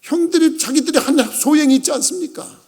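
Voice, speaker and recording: A middle-aged male pastor preaching a sermon, telling a Bible story and acting out the characters' lines, swinging between loud and hushed. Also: extremely high pitch, fairly quick. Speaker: senior pastor.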